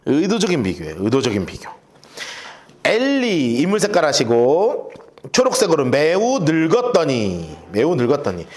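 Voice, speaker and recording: A man's voice: fairly high pitch, normal speed. A male pastor giving a Bible study sermon in a church, casual and colloquial, often acting out little scenes. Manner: lively, colloquial, acts out scenes.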